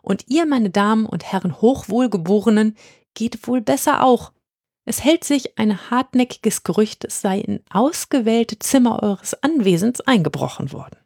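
A woman voicing an eccentric female Christmas witch who speaks in exaggerated courtly phrases with high, squeaky swoops. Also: animated, normal speed, darkish tone, no room sound, clean studio sound. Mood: mock-courtly.

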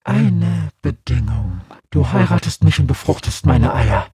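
A man voicing a grumpy, sleepy female dragon creature who talks in a gruff, blunt, unbothered way. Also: mid-range voice, lively intonation, measured pace, mellow, dry recording, clean studio sound, pitched above the performer's own voice. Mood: teasing.

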